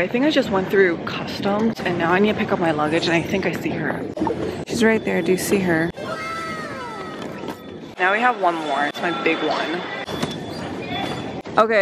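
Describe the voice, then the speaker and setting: Excitable young woman vlogging over noisy ambience. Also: mid-range voice. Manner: excitable, gushing, swears casually. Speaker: travel vlogger. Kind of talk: casual travel vlog. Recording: noisy handheld vlog audio with ambience.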